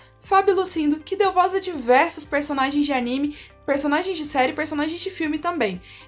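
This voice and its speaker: A woman's high voice over music in the background, fairly quick, with ordinary pitch variation. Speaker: interviewer, channel host. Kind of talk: casual talk to camera.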